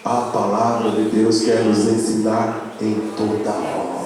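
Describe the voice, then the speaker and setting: A man's voice: fairly low pitch, completely flat delivery, a crowd in the background. A man preaching a sermon as pastor, with a Brazilian Portuguese accent, emphatic and repetitive, calling out hallelujah between points. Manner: slow, emphatic preaching with repeated refrains and calls of hallelujah. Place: church sanctuary. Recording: echoey church hall, long reverb.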